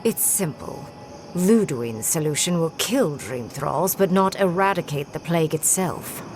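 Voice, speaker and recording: An actress playing a coolly rational scholar in a video game, speaking in a clinical, formal, measured way. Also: female voice, low voice, animated, a little hiss or hum. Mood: clinical, explaining. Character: coolly rational female scholar weighing lives pragmatically.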